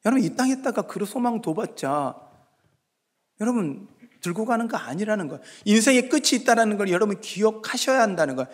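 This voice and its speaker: A male pastor giving a sermon, moving between hushed asides and loud, emphatic exhortation, now and then acting out his listeners in dialogue. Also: high voice, very animated, fairly quick. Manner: acts out congregants' voices in dialogue. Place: church sanctuary. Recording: long reverb of a church sanctuary.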